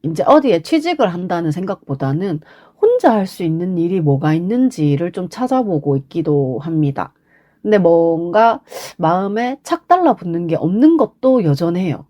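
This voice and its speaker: A woman's voice: fairly low pitch, dark tone. A woman podcast host talking casually on her own, congested and nasal from a cold. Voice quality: heavily congested, stuffed-nose nasal voice. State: has a cold, sniffling and throat-clearing. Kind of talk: casual solo podcast monologue.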